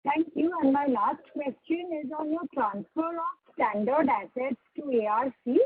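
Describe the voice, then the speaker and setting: A woman analyst asking questions over an unclear phone line on a conference call, halting as she searches for words. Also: sits high, no echo. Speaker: analyst caller. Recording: muffled tinny phone line, dry.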